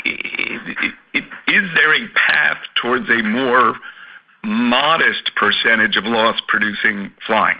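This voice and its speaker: A man asking a question as an analyst on an earnings call, hesitant and stammering into his phrases. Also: mid-range voice. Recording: dull conference call line.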